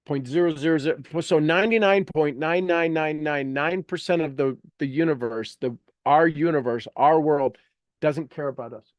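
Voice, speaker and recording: Leading a group call as host and coach, this man speaks at normal speed in a fairly high voice. His informal motivational talk is emphatic, full of phrases repeated for effect, and there is no room sound.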